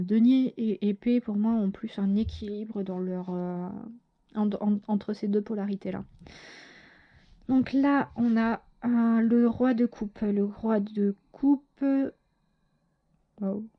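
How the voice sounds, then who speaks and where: A woman's voice: medium pitch, steady tone, slow pace, dull audio. A woman giving a casual tarot reading to her viewers, talking hesitantly with lots of fillers and self-corrections. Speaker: tarot reader.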